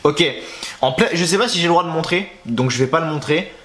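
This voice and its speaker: A young man talking loosely to his viewers with a fairly high voice. He rambles, drops slang and thinks out loud while he hunts for things on screen. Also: fairly quick, heavy background noise. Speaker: wrestling news youtuber. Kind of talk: casual chat to camera.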